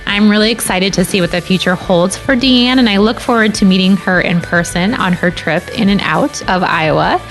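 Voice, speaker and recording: A woman's voice: mid-range voice, normal speed, hardly any pauses, soft background music. A woman hosting a podcast, encouraging her guest as she asks questions and wraps up the show. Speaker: podcast host, dietitian. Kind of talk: interview and show outro.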